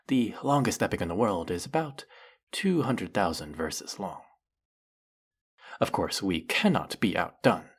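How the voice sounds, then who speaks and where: Fantasy audio drama: man as zealous demon servant, deep husky voice, grandly reverent, flirtatious and fawning. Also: heavily acted. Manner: grandiose, theatrical, reverent, obsequious.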